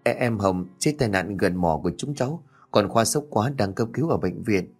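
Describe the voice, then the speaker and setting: A man's voice: fairly low pitch, expressive, moderate pace, a little mellow, breathy edge, faint music behind. A man voicing a shaken young man who speaks hesitantly and stammers.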